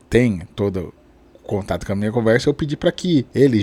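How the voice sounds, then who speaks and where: Male vlog host, late 30s, mid-range voice, loose and chatty with self-corrections, dry room. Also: no echo. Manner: rambling, many restarts and "né?" tags, chuckles often; lively, sudden jumps up in pitch and loudness. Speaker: channel host. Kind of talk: casual talking-head vlog.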